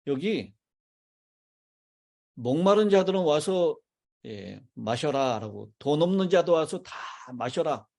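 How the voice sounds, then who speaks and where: A male pastor delivers a sermon from the pulpit of a church. His voice sits a touch high and he speaks in measured phrases, stopping to ask the congregation questions and wait for their answers. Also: very animated, gravelly, darkish tone. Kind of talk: sermon with congregation call-and-response. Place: church sanctuary.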